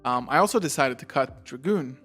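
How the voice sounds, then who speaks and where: A man's voice: medium pitch, a little fast, soft background music. Chatty laid-back man hosting a stream. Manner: relaxed, chatty, many fillers. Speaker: host, interviewer. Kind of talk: livestream interview.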